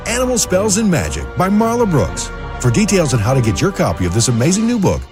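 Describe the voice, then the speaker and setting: A man reading a scripted book ad in a bright, promotional manner. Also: on the high side. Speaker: ad announcer. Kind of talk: scripted ad read. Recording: music bed behind.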